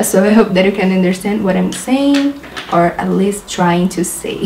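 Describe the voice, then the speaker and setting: Speaking with a Brazilian Portuguese accent, this young woman from Brazil is a beauty vlogger chatting through a makeup routine in her apartment in a big city. She narrates every step and laughs frequently in a mellow, mid-range voice. The audio is poor, with an echoey room and slight background noise.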